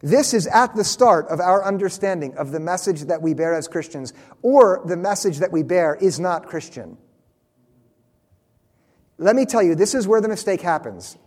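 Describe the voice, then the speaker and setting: A man preaching a sermon, earnest and emphatic, slowing down to stress key phrases. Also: high-pitched, lively intonation, a little mellow. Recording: long reverb of a large hall.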